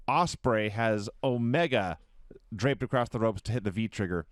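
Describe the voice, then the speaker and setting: Smooth-voiced man recapping a wrestling match. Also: mid-range voice, dry recording. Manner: animated storyteller, swearing, chuckling. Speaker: podcast co-host. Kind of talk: casual wrestling recap chat.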